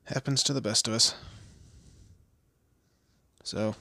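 A man playing a weary, wry kidnapped guy in a roleplay audio drama, speaking haltingly and conversationally. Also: medium pitch, steady tone, vocal fry, sharp tone, no echo, full character voice. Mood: casual, friendly. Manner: hesitant, halting, sardonic.

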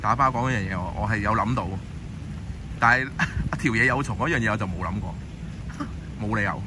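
A man's voice: lowish voice, brisk. Man, Hong Kong Cantonese accent, casual live-stream walking tour, chatty, outdoors at night, phone mic, rain and traffic behind. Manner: chatty, talks to viewers and passers-by. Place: outdoors on rainy night streets. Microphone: handheld phone camera.

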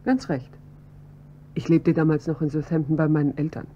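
An actress playing a composed, precise head pharmacist who comes to the police as a witness in a radio drama, speaking in a measured, guarded way. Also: female voice, sits low, flat delivery, dark tone, close to an everyday voice. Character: composed female head pharmacist, adult woman. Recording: dull, slightly noisy audio with hum.

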